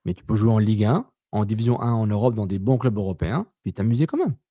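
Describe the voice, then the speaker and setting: A man's voice: fairly low pitch, expressive, fast talker, mellow, breathy edge, no room sound, clean studio sound. A man co-hosting a casual soccer podcast, talking bluntly, repeating himself and slipping in English words. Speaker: podcast co-host.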